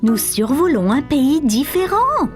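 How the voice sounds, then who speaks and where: A woman voicing a patient, loving mother in a dubbed cartoon, soft and encouraging. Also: sits high, big pitch swings, a little slow, soft background music. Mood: gentle. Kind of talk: French-dubbed cartoon acting.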